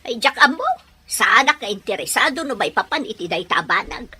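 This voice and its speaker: An actress playing a stern, resentful mother in a radio drama, nagging and exasperated, with a husky voice and Filipino Ilocano accent. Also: fairly high pitch, expressive, brisk, bright, forceful tone, full character voice. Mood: bitter.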